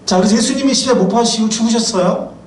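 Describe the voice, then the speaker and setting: A man preaching a sermon, a pastor and professor who talks in a lively, chatty way and keeps asking the congregation questions. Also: very high-pitched, very fast, a little hiss or hum. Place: church sanctuary. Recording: roomy, distant mic, faint ambience.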